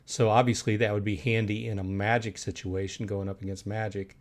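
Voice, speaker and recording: A middle-aged man hosting a casual live stream, reading chat aloud with many fillers and pauses, clearing his throat now and then. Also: lowish voice, flat delivery. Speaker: streamer host.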